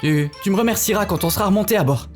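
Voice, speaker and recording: A man's voice: high-pitched, animated, racing, pitched above the performer's own voice. A man voicing a timid, reluctant, skinny male spaceship mechanic with a hesitant, stammering delivery in a visual novel. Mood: resigned. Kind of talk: acted visual novel dialogue. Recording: music bed under the voice.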